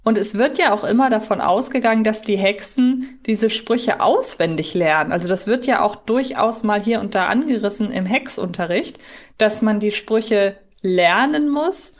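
A woman's voice: medium pitch, expressive, moderate pace. A woman co-hosting a podcast, explaining things thoughtfully in a casual discussion. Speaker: podcast co-host.

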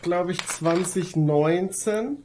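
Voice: medium pitch, slow pace, darkish tone, slight background noise. A podcast co-host, chatting casually and often groping for words while reviewing series.

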